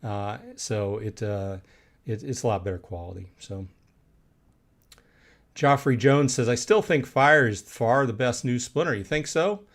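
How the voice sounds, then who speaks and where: A middle-aged man hosting a casual live stream, reading chat aloud with many fillers and pauses, clearing his throat now and then. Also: mid-range voice. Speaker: streamer host.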